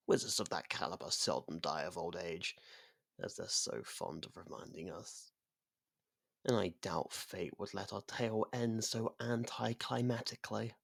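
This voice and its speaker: An actor playing a sadistic ancient vampire in an ASMR roleplay, seductive, possessive and condescending, with a gravelly, breathy delivery that often sinks into whispers. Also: medium pitch, no echo, clean studio sound, exaggerated voice. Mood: vengeful. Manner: slow, hushed, often breathy whispering, theatrical. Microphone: close studio microphone, dry.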